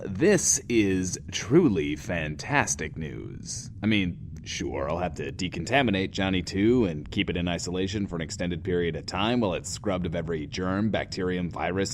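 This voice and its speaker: An actor playing a lonely, eccentric bunker radio host in an audio drama, theatrical and wordy, muttering self-justifying asides. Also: male voice, deep voice, slight background noise.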